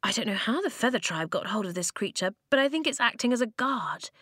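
An earnest young boy speaks softly and seriously, with a small stammer when he is unsure, as a woman reading a storybook puts him on. His voice sits a little higher than the reader's own. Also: expressive, unhurried, no echo, studio quality. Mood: hushed. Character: young boy, steady and protective leader.

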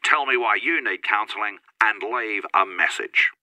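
Man playing a forceful, beleaguered Australian statesman. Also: fairly low pitch, moderate pace, no echo, pitched below the performer's own voice, poor audio. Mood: gloomy, formal. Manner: formal, dramatic. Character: self-important, beleaguered politician, Australian Prime Minister.

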